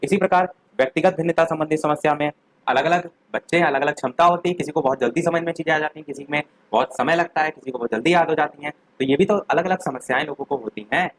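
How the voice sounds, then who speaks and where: Male teacher, revision lecture, higher voice, dry close sound, asks and answers own questions. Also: fast, no room sound, low-quality recording. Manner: explains step by step, asks questions then answers them.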